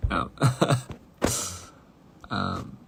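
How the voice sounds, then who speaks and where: A singer-songwriter chatting casually with viewers on a phone livestream, halting and searching for words, laughing often and switching between English and Korean. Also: low voice, expressive, gravelly, a bit bright, slight background noise. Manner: laughs often while talking.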